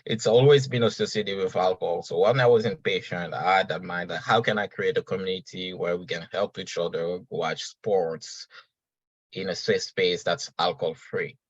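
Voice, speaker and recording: A man's voice: low-pitched, steady tone, normal speed, slightly rough, no echo, lo-fi sound. A man, a podcast guest talking earnestly and reflectively at an uneven pace. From Senegal. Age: 30s. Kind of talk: casual conversational interview.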